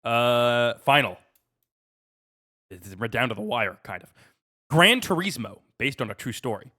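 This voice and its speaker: A man with a medium-pitched, noticeably bright voice. He acts as quizmaster on a podcast, delivering questions and scores in a casual, chatty style. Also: animated, unhurried. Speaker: podcast host running a quiz.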